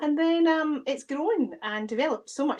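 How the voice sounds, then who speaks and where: A woman's fairly quick, lively speech in a Scottish accent. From Scotland. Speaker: charity worker. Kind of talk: interview.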